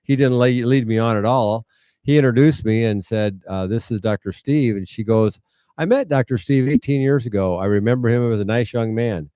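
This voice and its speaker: This medical mission founder, a middle-aged man from rural Iowa in the United States, speaks with a Midwestern accent as he recounts a story in conversation, sincere yet dryly humorous. His mid-range voice is mellow, clear and resonant, moderately paced, with no echo.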